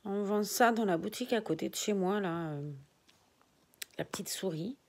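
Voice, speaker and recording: A woman's voice: medium pitch, brisk, a little mellow. An older woman chatting casually to her viewers from a nursery room at home, rambling and often dropping to a whisper. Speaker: reborn doll collector vlogger.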